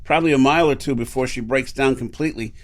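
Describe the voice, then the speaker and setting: A man's voice: mid-range voice, fast, close to an everyday voice. An actor playing Boz, a plain-spoken, practical man in a retro sci-fi radio drama. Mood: wary. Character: Boz, grown man, practical mechanic type. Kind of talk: golden-age style radio drama acting.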